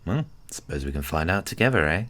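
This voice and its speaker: A man playing an easygoing, gently teasing giant friend in a casual, hesitant, intimate ASMR roleplay. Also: low voice, very animated. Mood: cheerful, chatty. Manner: hesitant, chuckling, unhurried casual talk.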